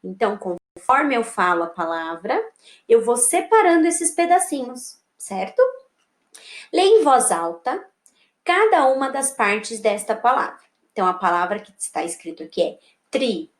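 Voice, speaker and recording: A Brazilian woman teaching small children from a workbook, her slightly high voice swooping up and down as she drags out words and keeps checking in with them. The sound bounces around a bare, echoey room. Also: sing-song. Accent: Brazilian Portuguese. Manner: slow, sing-song teacher voice, often checking with "né?" and "tá bom?". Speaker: primary school teacher. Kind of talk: recorded remote lesson walking through a workbook.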